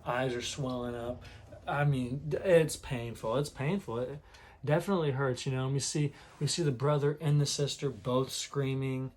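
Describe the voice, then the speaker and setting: A man retelling a manga chapter in casual commentary, rambling with many fillers and clearing a sore throat now and then. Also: mid-range voice, steady tone, moderate pace, a little mellow. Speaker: manga reviewer.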